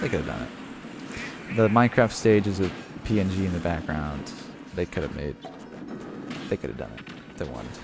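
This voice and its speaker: Over music in the background, a man with an American accent talks at a moderate pace with very wide pitch swings. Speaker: video game streamer. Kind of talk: casual live-stream commentary. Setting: home live stream, thunderstorm outside. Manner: casual, hesitant with fillers.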